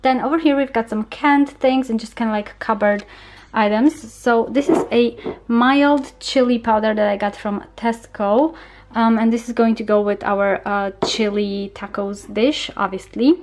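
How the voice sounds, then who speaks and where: A young adult vlogger holds a camera in her home kitchen and chats casually, with small laughs between remarks. Her slightly high, slightly mellow voice has fairly even intonation and a slightly slow pace, with slight background noise.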